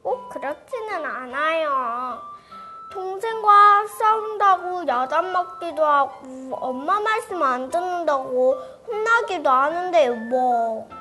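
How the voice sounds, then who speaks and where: A woman's voice: sits high, lively intonation, takes it slowly, pushed and bright, soft background music, exaggerated voice. A woman playing an earnest, candid little kindergarten girl in scripted children's program dialogue, speaking in a childlike way. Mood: sheepish.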